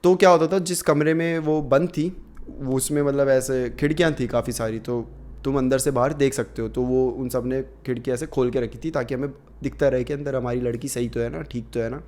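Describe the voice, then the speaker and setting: A man's voice: mid-range voice, fairly even intonation, brisk, a little mellow. Casual male horror storyteller. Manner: conversational, many fillers.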